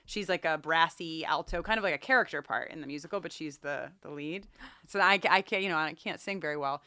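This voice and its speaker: A woman co-hosting a podcast, chatting casually about a TV show in a wry, animated way and often interrupting herself. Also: sits low, brisk, smooth, no echo. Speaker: podcast co-host.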